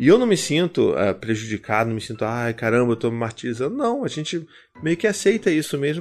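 He talks very fast. His voice is a man's medium pitch. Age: 30s. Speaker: parenting podcaster and author. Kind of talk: casual monologue.

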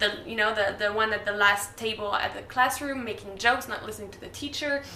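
Fairly quick, fairly high-pitched female speech with ordinary pitch variation, audible room echo and noticeable background noise. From southern France. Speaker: spiritual healer. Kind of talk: interview.

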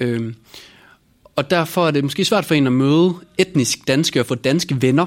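At a fairly slow pace with long, frequent pauses, a man speaks in a fairly high pitch at very even loudness. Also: ordinary pitch variation. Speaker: running club chairman. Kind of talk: interview.

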